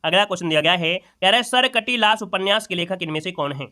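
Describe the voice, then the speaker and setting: Male tutor, high and bright, walks viewers through exam answers, repeating each one. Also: quick pace. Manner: repeats each question and answer, asks rhetorical questions; addresses listeners as friends. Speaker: teacher solving exam questions. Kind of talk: exam-prep lesson.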